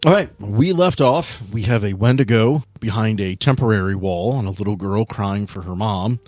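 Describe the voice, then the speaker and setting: A man's voice: fairly low pitch, normal speed, darkish tone, no room sound. A man hosting and narrating a tabletop game in a playful, conversational way as he sets scenes. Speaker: host and game master.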